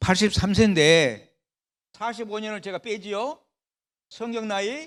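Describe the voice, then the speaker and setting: A man at a very slow pace, high-pitched, with ordinary pitch variation. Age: 80s+. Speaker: guest pastor and evangelist. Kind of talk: revival sermon. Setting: church. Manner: animated.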